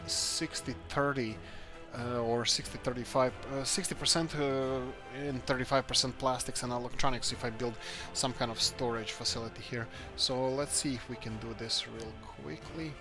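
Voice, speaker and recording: A man's voice: mid-range voice, fairly even intonation, moderate pace. A man from Croatia, hosting a let's-play game video and thinking aloud as he builds, often searching for words. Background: background music.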